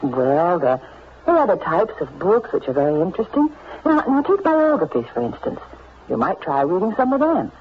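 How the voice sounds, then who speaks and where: An actress playing a gentle, sensible, motherly sweetheart in a radio soap, soothing and a little halting, full of endearments. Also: fairly low pitch, very animated. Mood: kindly advising. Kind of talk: 1940s radio soap acting. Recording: muffled, noisy old radio recording.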